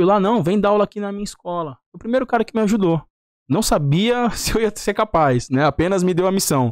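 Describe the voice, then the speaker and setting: A man's high-pitched voice with lively intonation at a fairly quick pace, very cleanly recorded against a silent background, the sound dry and close with no echo. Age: 30s. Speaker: corporate security head. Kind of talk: interview, personal story.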